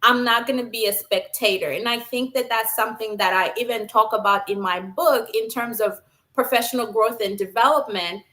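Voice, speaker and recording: A woman's voice: fairly high pitch, moderate pace, bright, forceful tone. A woman from Zambia, a nurse scientist, telling her career story in an earnest, enthusiastic conversational way. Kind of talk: conversational interview.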